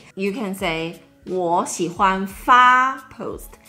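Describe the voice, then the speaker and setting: A woman speaks with lively intonation while faint music plays in the background. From Taiwan. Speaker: language teacher. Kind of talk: language lesson to camera. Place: home room.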